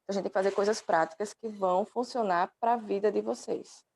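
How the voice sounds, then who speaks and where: A woman's voice: mid-range voice, fairly even intonation, quick pace, vocal fry, darkish tone, a little hiss or hum. A woman teaching an online class through her laptop microphone, patiently explaining step by step and affectionately calling her students dear.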